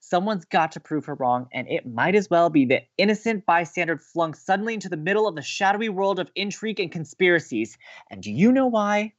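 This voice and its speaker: An earnest, dramatic young male campus radio host, played by a man in a romantic comedy audio drama. His delivery is very animated and emphatic, easily indignant. The sound is a little muffled. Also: high voice, fairly quick.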